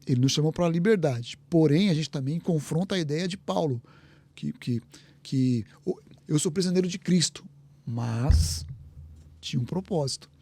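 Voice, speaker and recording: A Brazilian man co-hosts a relaxed podcast chat. His voice is gravelly and husky, a little high and mellow. He thinks aloud, pauses and repeats words as he goes. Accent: Brazilian Portuguese. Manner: reflective, hesitant, repeats words. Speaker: podcast co-host.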